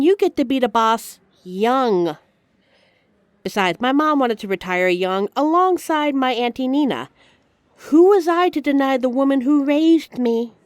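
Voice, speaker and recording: Woman acting a high-voiced, teasing mafia boss lady. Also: dry recording, clean studio sound. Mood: smug, playful, then fond, wry. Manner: teasing, smug, chatty, addresses listener directly. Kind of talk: scripted ASMR-style roleplay audio drama.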